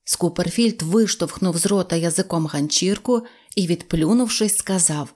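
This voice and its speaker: A woman reading a children's audiobook aloud, with lively storytelling. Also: on the low side, normal speed, breathy edge. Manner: lively storytelling, voicing characters. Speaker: audiobook narrator.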